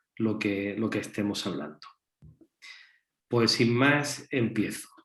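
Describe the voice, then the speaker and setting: With fairly even intonation, this man talks at a medium pitch. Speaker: writer giving a conference talk. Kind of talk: lecture read from a script; lecture introduction, spontaneous. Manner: hesitant, repeating words.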